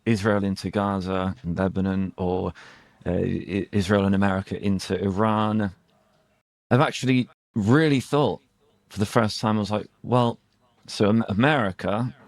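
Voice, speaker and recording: A British man, an English teacher, talking casually about current affairs in a searching, halting way with rhetorical questions. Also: fairly low pitch, vocal fry, no room sound. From Britain. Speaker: English teacher and conversation host.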